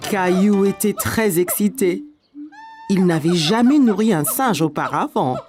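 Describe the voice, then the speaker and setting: A woman reading scripted narration for young children in a gentle storybook manner. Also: mid-range voice, expressive, a little slow, soft background music, natural voice.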